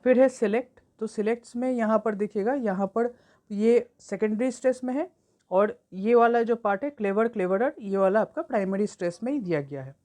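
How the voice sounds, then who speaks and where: A woman teaching an exam-prep lesson, reading English textbook lines slowly and then explaining them at length. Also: fairly high pitch, warm tone.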